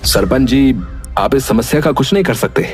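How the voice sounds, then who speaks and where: A man voices a sensible young villager for a cartoon moral tale. His pitch is average and his delivery direct and take-charge, with music underneath. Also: animated, moderate pace, slightly rough. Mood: practical. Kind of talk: animated moral story dialogue.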